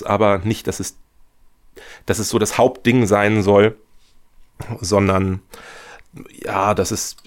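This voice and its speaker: Earnest young man, low voice. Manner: reflective, earnest. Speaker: guest, audio drama author. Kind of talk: podcast interview.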